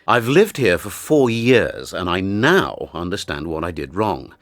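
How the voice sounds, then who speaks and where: A man reading a scripted account for an English listening exercise, in a measured storytelling manner. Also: sits low, big pitch swings, dry recording. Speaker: textbook audio speaker.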